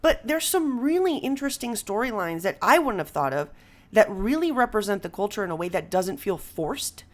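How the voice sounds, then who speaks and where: A woman hosting a podcast in casual conversation, telling stories in an animated way with frequent chuckles. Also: mid-range voice, normal speed. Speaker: podcast host.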